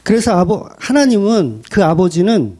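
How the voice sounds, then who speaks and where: A man's voice: sits high, sing-song, moderate pace, a little mellow. A man pastor delivering a blunt, colloquial sermon full of rhetorical questions.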